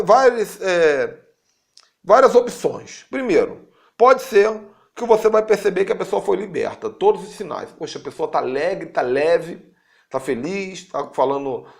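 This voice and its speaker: A man with a Brazilian Portuguese accent giving an informal spiritual teaching, animated and repetitive, speaking straight to his listeners. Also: vocal fry. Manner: animated, acts out quotes with sudden high-pitched jumps; repeats words for emphasis, addresses listeners directly. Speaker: apostle teaching a course.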